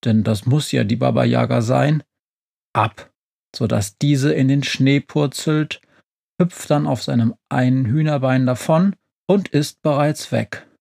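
A storyteller reading a children's story aloud in a lively, expressive way. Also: mid-range voice, measured pace, vocal fry, no room sound, clean studio sound. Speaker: narrator.

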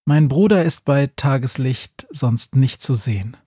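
A man's voice: animated, a little slow, dark tone, husky, dry recording, clean studio sound. A man voicing a bossy, scolding little witch who hisses and nags at her brother. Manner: hissing, scolding, shrill.

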